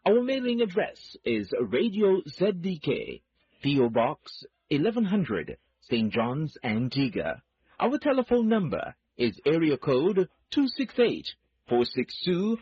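Male station announcer heard over AM radio, formal ID read with an animated delivery, slightly raspy, muffled dry broadcast audio. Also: medium pitch, no echo.

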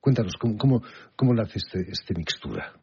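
A man hosting a radio interview, speaking in a polished, measured presenter manner. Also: lowish voice, expressive, a little mellow, slightly rough. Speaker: radio host. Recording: muffled broadcast audio with faint music.

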